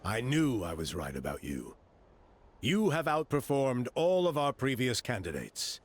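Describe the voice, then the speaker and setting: An actor playing a confident, courteous tribal official in a video game, speaking in an earnest, measured, formal way. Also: male voice, medium pitch, sing-song, a little hiss or hum. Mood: admiring.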